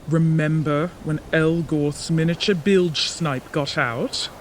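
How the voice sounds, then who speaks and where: An actor playing a breezy, chatty palace servant in an audio drama. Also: male voice, fairly high pitch, fairly even intonation, takes it slowly, a little hiss or hum.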